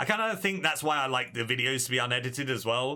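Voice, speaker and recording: A man speaks in an animated, bright and sharp fairly high voice at a fairly quick pace, with ordinary pitch variation. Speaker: gaming YouTuber. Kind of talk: casual gameplay commentary. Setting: home room. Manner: loud.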